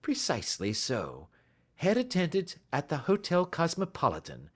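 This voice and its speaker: A man voicing a calm, shrewd gentleman detective who speaks blandly and with assurance in a storybook reading. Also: fairly high pitch, moderate pace, pitched above the performer's own voice, heavily acted. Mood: bland assured. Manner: bland, smooth and self-assured.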